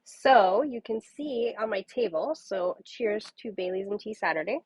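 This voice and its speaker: A woman's voice: medium pitch, expressive, measured pace, a little mellow, breathy edge. A woman with a cold and a nasal voice, chatting casually on a papercrafting livestream and greeting viewers by name. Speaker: papercrafting demonstrator. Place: home craft table.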